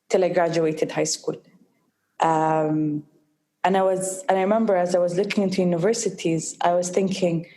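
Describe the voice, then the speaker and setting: A young woman from the United Arab Emirates answers interview questions in a slightly low voice. She speaks slowly and carefully, with a mild stutter and small pauses as she works through her words. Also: warm tone, poor audio. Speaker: guest, social entrepreneur. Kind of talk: interview conversation.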